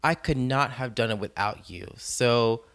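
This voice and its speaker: A man hosting a podcast panel, encouraging his guests with quick affirmations. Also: mid-range voice, a bit bright, no echo. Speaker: podcast host. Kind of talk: casual panel chat.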